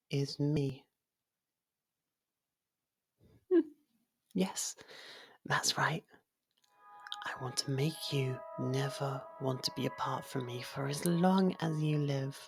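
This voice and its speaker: A low-voiced fairy royal, acted by a woman, lovestruck and possessive, speaks slowly with a creaky edge in an ASMR roleplay. The delivery is coaxing and softly menacing, deliberate enough to slide toward a whisper. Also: heavily acted. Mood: menacing, yearning.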